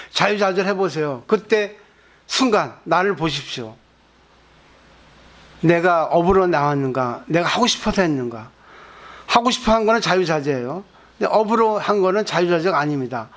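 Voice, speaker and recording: High-voiced monk preaching conversationally. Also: male voice. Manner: conversational teaching with frequent rhetorical questions to the audience. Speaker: Buddhist monk giving a dharma talk. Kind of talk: sermon. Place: temple dharma hall at a weekend service.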